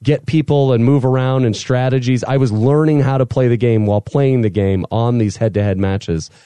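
A man's voice: mid-range voice, moderate pace, warm tone, clean tone, dry recording. A middle-aged man bantering casually and playfully as a podcast host. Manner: playful, joking.

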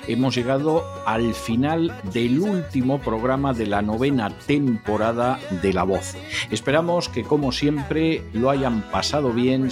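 A male radio host giving a formal, courteous farewell to his guest and his audience at the end of the show. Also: medium pitch. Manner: courteous, measured and ceremonious.

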